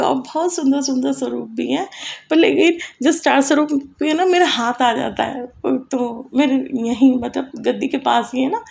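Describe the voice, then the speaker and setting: A woman's voice: sits high, gravelly, darkish tone. A middle-aged woman sharing a heartfelt spiritual experience with a congregation, chatty and emotional. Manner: chatty, emotional, sings short devotional lines. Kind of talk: personal testimony to a congregation.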